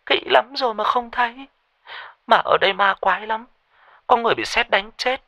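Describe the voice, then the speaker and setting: A man's voice: on the high side, brisk, pushed and bright, dry recording, pitched above the performer's own voice. A man voicing a terrified young woman who stammers and pleads over the phone in a ghost story. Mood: frightened. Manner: stammering, panicky, breathless pleading.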